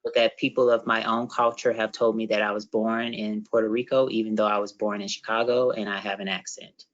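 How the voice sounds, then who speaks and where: Man, co-facilitator, low voice, very flat delivery, lo-fi video call sound. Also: fairly quick. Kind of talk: reading out participant comments.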